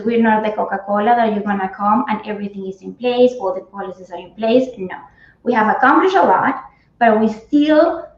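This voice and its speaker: A woman's voice: medium pitch, a little mellow. Woman, HR guest, earnest, restarts often, roomy echo. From Colombia. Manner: earnest, frequent restarts and repeated words. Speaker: cannabis company HR guest. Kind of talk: interview answers. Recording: echoey, dull remote audio.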